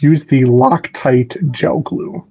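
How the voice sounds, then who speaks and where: A man's voice: mid-range voice, fairly even intonation, takes it slowly, dark tone. A man talking in casual conversation. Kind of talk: casual chat. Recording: dull lo-fi microphone sound.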